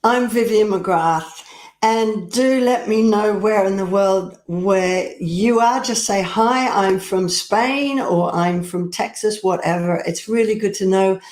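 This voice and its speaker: A middle-aged woman coaches the listener in a slow, deliberate, confiding way, speaking as if face to face. Her voice sits at an ordinary pitch for a woman. The room around her rings with a noticeable echo. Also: a little mellow. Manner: slow, earnest and confiding, addressing the viewer directly. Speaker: personal power coach. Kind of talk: direct-to-camera coaching talk. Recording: roomy echo.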